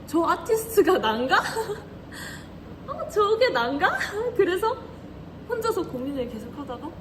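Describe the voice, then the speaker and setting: Slowly and in a very high, sing-song, slightly bright voice, a young Korean woman in her twenties hosts an idol livestream with slight background noise. Her slight regional dialect comes through as she giggles, chats casually and responds to comments.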